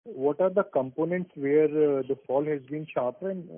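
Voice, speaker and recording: A man's voice: fairly high pitch, normal speed. A man with an Indian accent, an analyst calling in to ask questions on an earnings call. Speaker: analyst caller asking questions. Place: conference call over the phone. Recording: tinny narrowband phone line.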